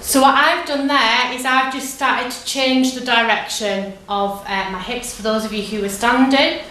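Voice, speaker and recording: High-voiced woman drama teacher, very echoey room. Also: fairly even intonation, moderate pace, bright, forceful tone. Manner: encouraging drama-teacher delivery with simple, repeated instructions. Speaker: drama teacher leading a warm-up. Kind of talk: instructional, guiding a physical warm-up step by step. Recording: echoey room, distant microphone.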